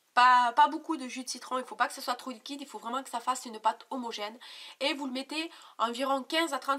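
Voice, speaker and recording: In a raised, projected voice, a woman speaks at a high pitch and a fairly quick pace, her intonation fairly even. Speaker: beauty vlogger. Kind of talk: tutorial. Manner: fast.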